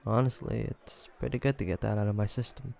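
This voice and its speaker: Guy acting young demon hunter for an audio roleplay, kinda low voice w lots of fry, guarded but lonely, halting and confiding. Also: steady tone, a little mellow, slight background noise. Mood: relieved, sheepish. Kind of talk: intimate audio roleplay addressed to listener.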